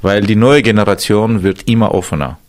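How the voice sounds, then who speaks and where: A man being interviewed as a musician guest, German not his first language with Russian close to native, answering in a calm, measured and optimistic way. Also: fairly low pitch, dry recording.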